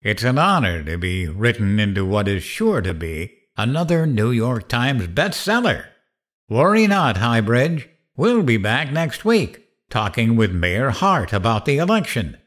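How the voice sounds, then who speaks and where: An actor playing an uncanny mimic posing as a cocky late-night talk radio host, with showy broadcaster patter in a horror drama. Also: male voice, mid-range voice, sing-song, measured pace, fairly bright tone. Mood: breezy, cocky.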